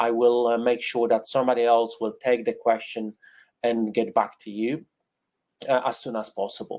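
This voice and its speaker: A man speaks at a moderate pace with a Polish accent. His medium-pitched voice stays monotone, with flat intonation. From Poland. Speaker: education and training director, webinar presenter. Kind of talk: live webinar presentation. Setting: online webinar. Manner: halting, many fillers.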